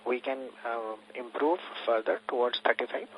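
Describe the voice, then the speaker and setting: A man's voice: mid-range voice, moderate pace. A man politely asking questions as an investor on a conference call, in hesitant, piecemeal phrases. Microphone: conference call phone. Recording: faintly noisy conference phone line.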